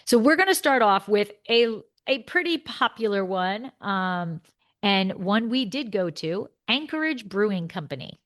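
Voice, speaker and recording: A woman with a New Jersey accent hosting a casual podcast chat, reading reviews aloud in a halting way and laughing often. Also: medium pitch, animated, a bit bright. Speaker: podcast host.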